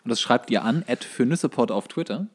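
A man's voice: medium pitch, animated, brisk, husky. A man co-hosting a podcast, bantering casually and colloquially with wry jokes and anecdotes. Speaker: podcast co-host, former bartender.

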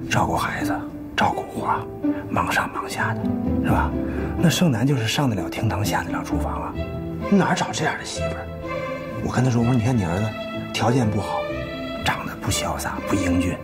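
A flustered middle-aged husband who stammers, coaxes and wheedles, his voice swinging widely in pitch, played by an actor. Guitar music runs under the scene. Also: animated, a little fast, close to an everyday voice. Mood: wheedling. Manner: stammering, wheedling, often hushed. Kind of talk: TV drama acting.

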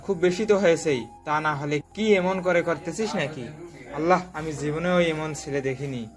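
A man's voice: on the high side, moderate pace, faint music behind, close to an everyday voice. A man playing a young brother-in-law who keeps teasing and mocking the groom in an audio drama.

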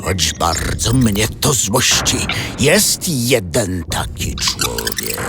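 A man's voice: deep voice, wildly swooping pitch, drawn-out words, very noisy, voice pushed down, exaggerated voice. A man voicing a powerful, vain male dragon in a storybook tale, mumbling sleepily and breaking into growls. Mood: grudging, boastful. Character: powerful, vain, drowsy male dragon, grumpy but lovesick. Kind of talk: storybook character acting.

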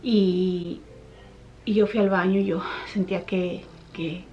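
A young woman vlogger casually telling a personal story to her viewers, animated when she retells what people said. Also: on the low side, slow pace, highs cut off, soft background music.

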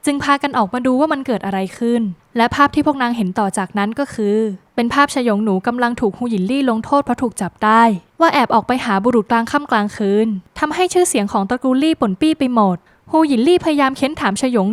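A woman narrating a scripted drama plot recap in a brisk, lively storytelling manner with dramatic phrasing. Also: on the high side, dry recording.

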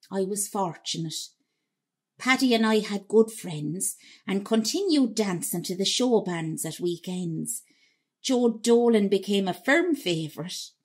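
Woman as slow-speaking, husky Irish Molly, reminiscing. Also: medium pitch, darkish tone, heavily acted. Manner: reminiscing, unhurried storytelling. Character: Molly, ageing Irish emigrant wife, reflective and resilient. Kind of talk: radio drama monologue.

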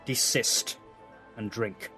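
An actor playing a proud, hearty Roman commander in a Shakespearean audio drama, declaiming with authority. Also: male voice, on the low side, slow pace, pushed and bright, soft background music, full character voice. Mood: stern.

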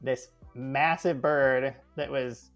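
A man, a guest on a podcast, telling animated birding stories with frequent laughter. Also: mid-range voice, slow, soft background music. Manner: enthusiastic, laughs often. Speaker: guest birder. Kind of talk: casual interview storytelling.

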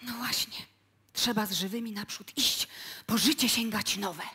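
Hard weary widow, extremely husky, breathy, radio play. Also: female voice, fairly high pitch, moderate pace, pushed and bright, exaggerated voice. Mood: weary, conspiring. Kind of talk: live radio play acting.

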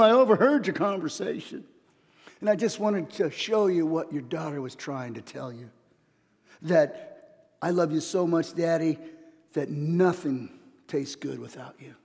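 A middle-aged pastor preaching in a big church hall, telling little stories and shifting between quiet, confiding asides and loud, urgent pushes. His voice sits slightly high for a man. The long reverb of the hall trails behind him. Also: moderate pace, vocal fry. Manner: storytelling preacher, animated, swings between soft asides and loud emphasis. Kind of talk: sermon. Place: church stage, large hall.

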